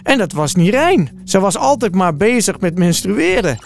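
Earnest guy telling a bible story like he was there, higher voice. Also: very animated, normal speed, vocal fry. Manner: vivid, earnest eyewitness telling. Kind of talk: first-person dramatic Bible storytelling.

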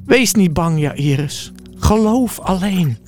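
A man doing a gentle, loving teacher. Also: on the high side, faint music behind. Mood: tender. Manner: soft, calm and unhurried.

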